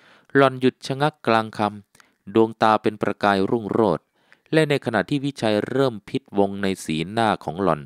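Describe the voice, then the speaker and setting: A man narrating a literary novel as an audiobook, in a measured, even way. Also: lowish voice, clear, resonant tone, no echo, studio quality.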